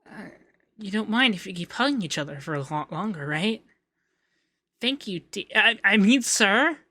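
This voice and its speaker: Man playing a bright-voiced, shy, flirty femboy. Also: high voice, expressive, dry recording, heavily acted. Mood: relaxed, coy. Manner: halting, stammering, coy. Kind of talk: intimate ASMR roleplay.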